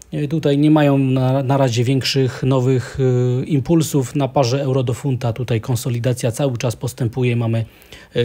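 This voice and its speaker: A man giving measured market commentary over charts as an analyst, with frequent hesitations. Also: medium pitch, mellow.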